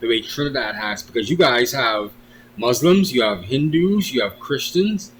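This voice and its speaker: A man's voice: medium pitch, lively intonation, moderate pace, slight background noise, low-quality recording. A man hosting a conversational interview, speaking emphatically as he introduces and questions his guest. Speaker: interviewer, host.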